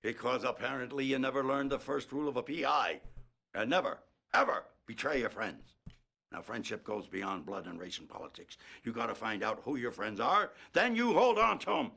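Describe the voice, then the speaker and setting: An actor playing a gruff older detective mentor in a video game, sternly lecturing with heavy emphasis. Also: male voice, medium pitch, expressive, moderate pace, bright, forceful tone, heavily acted.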